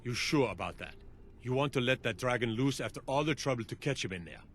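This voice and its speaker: A man's voice: mid-range voice, lively intonation, a little fast, a little hiss or hum, natural voice. A man playing a skeptical castle guard in a fantasy game, blunt, casual and grumbling. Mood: doubtful, grumbling. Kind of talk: fantasy video game acting.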